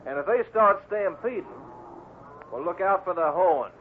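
An actor playing a steady, watchful cowboy foreman giving firm instructions in an old-time radio Western. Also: high-pitched, moderate pace, soft background music. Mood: firm, cautious. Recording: tinny, hissy vintage radio recording.

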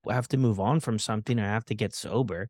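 A man hosting a podcast, chatty and relaxed, often tagging "right?" onto his points. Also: fairly low pitch, fast, no echo, studio quality. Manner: relaxed, chatty, leans on fillers like "right?" and "you know". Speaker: podcast host. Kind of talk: conversational interview.

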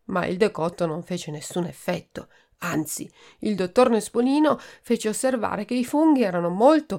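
A woman from Italy reads a children's storybook aloud with clear, expressive narration. Her voice has a mid pitch and a gravelly texture. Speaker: podcast host reading a children's book.

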